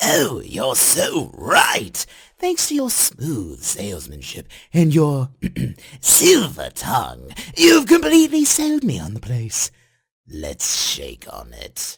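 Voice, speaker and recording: This is a cartoonish character voice. The pace is very slow. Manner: theatrical, mocking, polite menace.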